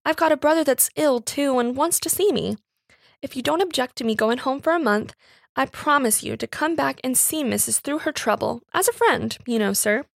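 Storybook housemaid, played by a woman: proud, indignant, uneducated speech, high voice with little creak, close and dry. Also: moderate pace, no echo. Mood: insistent. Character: pert, defiant young housemaid newly come into money.

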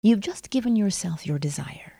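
A woman narrates a guided sleep meditation like a sleep story, soft and breathy, often near a whisper, in measured instructions with lingering pauses. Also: mid-range voice, animated. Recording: long reverberant echo.

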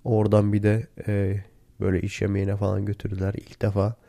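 A man hosts a casual solo podcast while sick and worn out. His hoarse voice is mellow and dark, with little melodic movement. He is recorded close and dry, talking informally to his listeners. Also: lowish voice, monotone, fast talker, dry recording. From Turkey. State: sick and tired, lost voice. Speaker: podcast host. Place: in bed at home. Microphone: handheld voice recorder, close.

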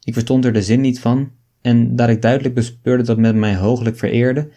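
A man reading an old novel aloud as an audiobook, in a measured storytelling way. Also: medium pitch, fairly even intonation, dark tone. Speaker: audiobook reader.

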